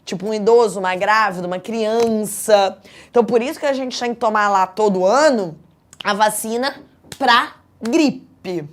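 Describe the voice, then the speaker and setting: A Brazilian woman teaching an exam prep class in a chatty, lively way, often checking in with her students. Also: mid-range voice, moderate pace. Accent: Brazilian Portuguese.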